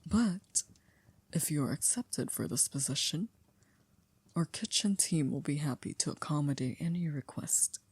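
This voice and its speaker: A woman playing a poised, coolly controlling maid to a vampire in an ASMR roleplay, speaking formally and politely in a hushed, breathy, often near-whispered voice. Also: deep voice, lively intonation, no room sound, full character voice. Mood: courteous, composed. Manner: formal, polite, measured, with stiff wording.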